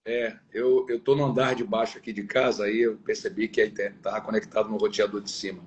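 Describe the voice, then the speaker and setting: Deep-ish guy from northeast brazil, pastor chatting casually on an online interview. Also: little pitch movement, quick pace, highs cut off, slight background noise. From Sergipe, northeastern Brazil. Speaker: pastor, podcast guest. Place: at home, downstairs, on an internet call.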